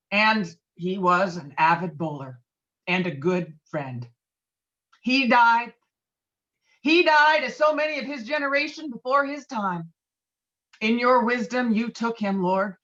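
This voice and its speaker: A hot-headed, blustering middle-aged bowler played by a woman in a film script read. The voice is fairly high, bright and forceful, with pompous, foul-mouthed delivery. The sound is a little slow-paced and slightly lo-fi. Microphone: video call.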